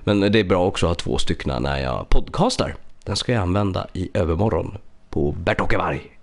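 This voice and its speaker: A man's voice: low voice, animated, creaky. A man live-streaming a puzzle game with casual commentary, thinking aloud and chatting with viewers, slightly congested from a cold, on a USB studio microphone.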